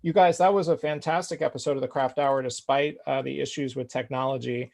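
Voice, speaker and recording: Brief: upbeat male host, gravelly mid voice, filler-heavy interviewer. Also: mid-range voice, fairly even intonation, fairly quick, a little mellow. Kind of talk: casual interview while crafting.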